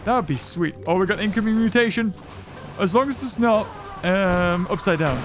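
A man giving excitable, rambling let's play commentary into a desk microphone, thinking aloud as he plays. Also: high-pitched, normal speed, over music. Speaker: gaming commentator.

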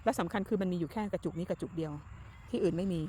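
A woman's voice: lowish voice, rapid-fire, mellow. Middle-aged woman, chatty garden vlog host, talks straight to viewers, outdoor phone recording with faint noise. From Thailand. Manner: chatty, addresses viewers directly and asks them questions. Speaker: garden vlogger. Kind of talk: casual garden walk-through vlog.

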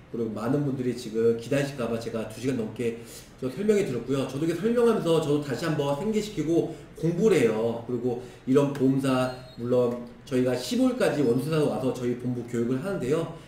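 A man in his thirties with a hoarse, strained voice, walking through insurance products in brisk, clipped phrases. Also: medium pitch, dark tone, far from the mic. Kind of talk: screen-share product walkthrough. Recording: roomy echo, voice off-mic with faint noise.

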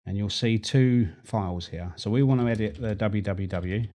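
Man, tech tutorial host, low voice, dark tone, relaxed, chatty. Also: moderate pace. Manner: relaxed, chatty, repeats words while working. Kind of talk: screen-recorded tutorial narration.

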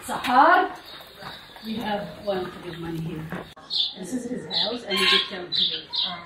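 A woman's voice: fairly low pitch, animated. English-speaking woman guiding a street tour. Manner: halting, plain non-native English with many "like" fillers. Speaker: local guide. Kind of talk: casual walking tour explanation. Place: outdoors in narrow camp alleys. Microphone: camera mic from a few steps away. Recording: outdoor camera audio, distant and echoey, loud street noise.

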